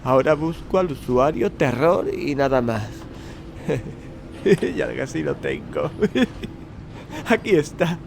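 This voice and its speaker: An actor playing a deranged, obsessive patient in an audio drama, frantic and theatrical. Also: male voice, medium pitch, very animated, takes it slowly, creaky, long pauses, background noise, full character voice. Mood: gleeful muttering. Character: deranged, obsessive male asylum patient craving horror.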